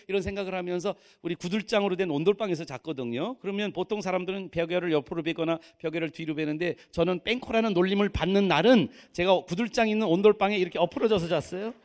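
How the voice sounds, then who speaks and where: Korean-raised man in his fifties, pastor, chatty funny sermon, does little voices for people, higher pitched. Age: 50s. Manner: humorous and conversational, acting out voices of others. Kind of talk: sermon storytelling. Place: church.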